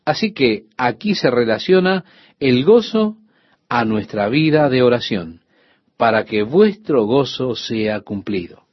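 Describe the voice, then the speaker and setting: A man's voice: mid-range voice, animated, a little slow, breathy edge, no room sound, dull audio. An older man, a pastor, giving a radio sermon in an earnest teaching tone with rhetorical questions to the listener.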